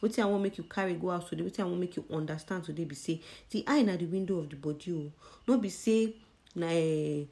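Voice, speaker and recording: A woman's voice: fairly low pitch, fast talker, dark tone. A woman with a Nigerian accent speaking Nigerian Pidgin, presenting a conversational health explainer in an emphatic way, posing questions to the listener and answering them.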